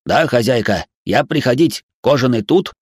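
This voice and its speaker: A man's voice: medium pitch, animated, moderate pace, breathy edge, no room sound, studio quality, pitched above the performer's own voice. A man voicing a sarcastic servant robot. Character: snarky male servant robot, clipped broken speech. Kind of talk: audiobook character voice.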